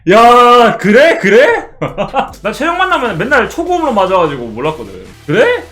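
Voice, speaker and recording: A young man streaming a mobile baseball game, who swears a lot and shouts at his card upgrades. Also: very high-pitched, huge pitch swings, normal speed, faint music behind. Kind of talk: live game streaming chat.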